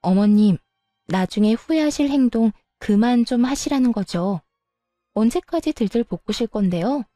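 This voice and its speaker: A woman's voice: on the high side, animated, moderate pace, mellow, no room sound, studio quality, soft background music, close to an everyday voice. Woman voicing a fed-up sister-in-law. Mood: firm. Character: exhausted young sister-in-law, finally standing her ground.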